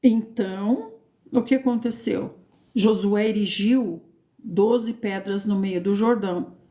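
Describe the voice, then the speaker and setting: A woman reading and teaching the Bible live, expressive and addressing listeners by name. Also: mid-range voice.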